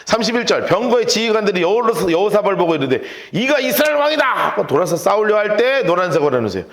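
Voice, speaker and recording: A pastor leading a lively Bible study lecture, acting out scenes and shouting the quotes. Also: male voice, sits high, very fast, reverberant. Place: church hall.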